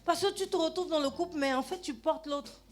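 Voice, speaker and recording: A woman pastor preaching a sermon in a church, talking straight to her listeners in a lively, conversational way, often tagging her phrases with "hein" and "amen". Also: very high voice, a little fast, faint music behind. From Gabon.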